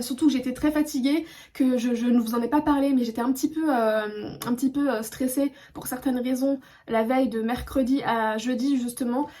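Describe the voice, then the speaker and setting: A woman's voice: fairly high pitch, a little mellow. A woman from France chatting casually to her phone camera in a hotel room, rambling with many fillers and restarts. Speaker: vlogger. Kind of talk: casual vlog chat to camera.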